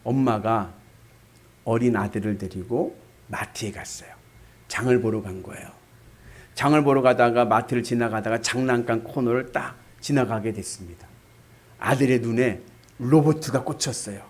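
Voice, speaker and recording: A man's voice: medium pitch, normal speed. A man preaching a sermon as pastor, asking the congregation rhetorical questions.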